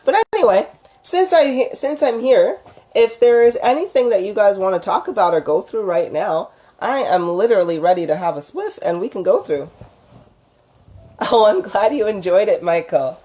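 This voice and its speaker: Sing-song and mellow, this woman's medium-pitched voice moves at a moderate pace. Hosting a relaxed livestream as a storyteller and psychic healer, she chats gushingly and informally with viewers, using loving endearments.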